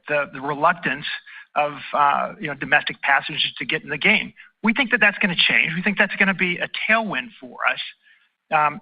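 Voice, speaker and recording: Guy ceo on earnings call, kinda high voice, halting delivery, muffled conference audio. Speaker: airline chief executive. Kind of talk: earnings call answers to analysts.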